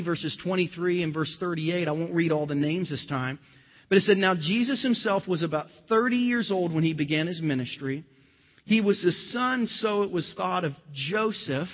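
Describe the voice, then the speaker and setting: A man from Ohio preaching a sermon as pastor, mixing scripture reading with conversational personal stories. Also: fairly high pitch. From Ohio, USA. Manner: conversational storytelling with scripture quotes. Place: church. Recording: dull lo-fi sound with long hall reverb.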